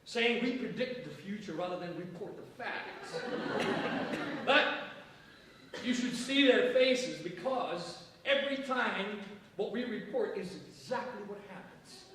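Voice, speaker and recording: A man playing a cheerful, self-assured provincial newspaper editor in a staged reading, declamatory and a little halting. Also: high voice, lively intonation, fairly bright tone, heavily acted. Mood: gleefully smug. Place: theater stage, before an event audience. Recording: echoey stage, distant mic, faint noise.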